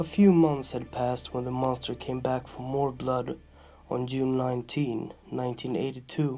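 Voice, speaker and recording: Moderate pace and a non-native accent, with music in the background. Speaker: true crime writer and narrator. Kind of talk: true crime narration.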